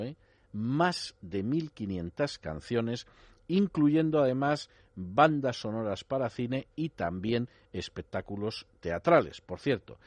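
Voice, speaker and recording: Low-voiced man hosting a radio music show. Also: darkish tone, no room sound. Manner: enthusiastic, addresses listeners formally, digresses with asides.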